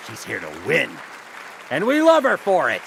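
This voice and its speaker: An actor playing a glib, teasing talk show host in a sci-fi audio drama, wry, theatrical and probing. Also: male voice, on the high side, huge pitch swings, moderate pace, vocal fry, crowd noise, background noise, full character voice. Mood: showy, rousing.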